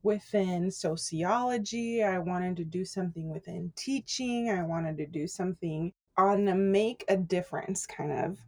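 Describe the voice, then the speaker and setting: A woman from California who grew up speaking Spanish chats casually as an interview guest, telling her story with lots of laughter. Her voice is fairly low in pitch, and she talks a little slowly with few pauses.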